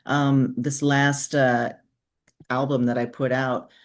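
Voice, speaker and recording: A woman's voice: a bass voice, level tone, slow. A woman talks as a guest in a casual interview. Her delivery is earnest and informal, conversational in its phrasing and loosely peppered with everyday filler words. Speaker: interview guest, author and podcaster.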